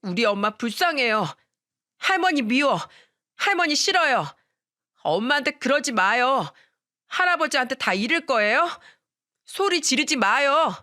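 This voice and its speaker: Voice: very animated, unhurried, pushed and bright, full character voice. A storyteller voicing a small boy who tearfully begs his grandmother to leave his mother alone. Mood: pleading. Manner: pleading, tearful, high childlike.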